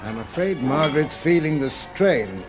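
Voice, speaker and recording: An actor in a radio drama playing a courteous, solicitous but sceptical gentleman with a polite, inquisitive manner. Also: on the high side, animated, normal speed, over music, close to an everyday voice. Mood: puzzled, probing.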